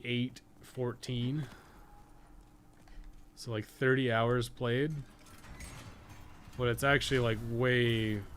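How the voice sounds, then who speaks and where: A man giving casual live game-stream commentary, swearing freely and talking to viewers in a halting, colloquial, thinking-aloud way. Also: medium pitch. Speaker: game streamer and guide maker. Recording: clear background noise and ambience.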